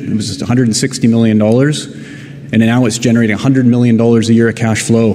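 A man speaking with fairly even intonation. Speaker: presenter. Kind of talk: conference presentation. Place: hall. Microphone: podium.

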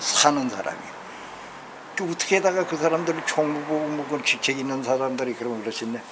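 A man at a fairly quick pace in a fairly high pitch, with noticeable background noise. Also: ordinary pitch variation. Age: 70s. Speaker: retired volunteer who collects waste paper and tends flower beds. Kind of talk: interview answer. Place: street. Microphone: phone near.

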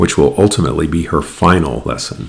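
A moderate pace with noticeable background noise. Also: man. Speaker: lecturer on literature. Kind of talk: lecture, with stretches of literary audiobook reading aloud. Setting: recorded video lecture. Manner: measured, even and formal, clear reading pace like an audiobook narrator; expository, teacherly, explaining each point step by step.

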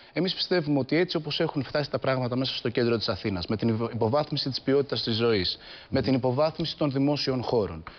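A man talks fairly quickly at a fairly high pitch with ordinary pitch variation. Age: 30s. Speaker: politician. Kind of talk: TV interview. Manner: halting.

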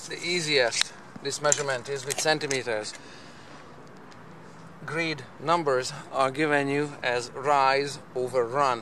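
Over noticeable background noise, a man speaks at a moderate pace with monotone, flat intonation in a dry sound with no echo. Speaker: diy demonstrator. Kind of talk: tutorial. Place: street. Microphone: camera far.

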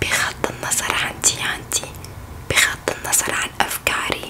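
The pace is very slow. A woman whispers. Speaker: ASMR creator. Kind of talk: ASMR whispered chat. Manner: soft whisper. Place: home room. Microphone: studio mic.

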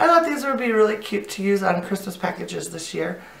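A woman's voice with audible room echo. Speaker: lifestyle vlogger. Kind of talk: casual vlog chat. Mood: cheerful, enthusiastic. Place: kitchen.

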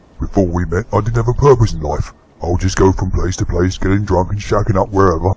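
A man's very fast delivery, very deep and low in pitch, with ordinary pitch variation. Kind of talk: comic audio drama voice acting. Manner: laid-back, sardonic, casual.

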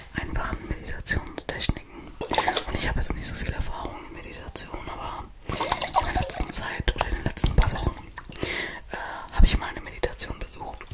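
A soft-spoken woman whispering at a fairly quick pace. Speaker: ASMR creator. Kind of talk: soft ASMR chat and affirmations. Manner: soft close-mic German whisper. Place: home room. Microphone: studio mic.

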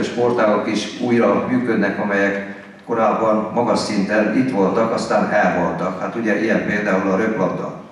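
A man is speaking. There is strong echo in the room. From Hungary. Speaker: mayor. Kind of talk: new year address. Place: hall.

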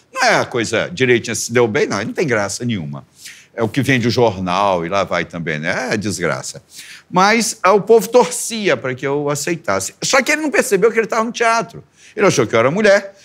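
Male speech with vocal fry and very wide pitch swings, at a fairly quick pace. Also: fairly high pitch for a man, quiet background. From Espírito Santo, Brazil (Vitória); Espírito Santo, Brazil. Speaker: theatre actor. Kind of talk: TV talk show interview. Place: studio. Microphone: lapel.

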